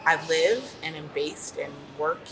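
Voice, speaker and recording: A woman from the American South, a legal policy director, speaking in a measured, grateful testimonial at a conference. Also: low voice, noisy background. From New Orleans, US South. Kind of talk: short testimonial interview. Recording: crowd chatter behind.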